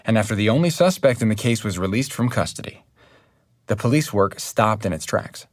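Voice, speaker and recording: An actor playing an earnest podcast journalist, narrating a true crime documentary in a measured, serious way. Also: male voice, on the low side, animated, no echo, studio quality, natural voice. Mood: earnest, intrigued.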